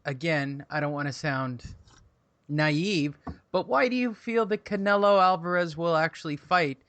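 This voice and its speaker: A man's voice: a little high, unhurried, fairly bright tone, no room sound. A man hosting a casual boxing chat, skeptical and pushing back with questions. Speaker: show host.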